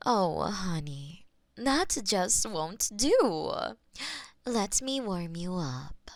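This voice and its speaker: Casting: woman as a possessive female war demon, slow teasing drawl, soft whispers, dry close mic. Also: mid-range voice, very animated, no echo, heavily acted. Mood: tender whispering. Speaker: voice actor in audio roleplay. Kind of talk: intimate audio roleplay.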